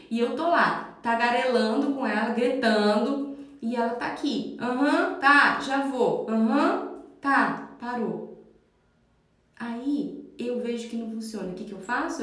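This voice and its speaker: Lively woman parenting coach on a live stream, higher voice, lots of room echo. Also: moderate pace. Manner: animated, acts out yelling parents and children. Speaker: parenting educator. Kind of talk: instructional live stream talk.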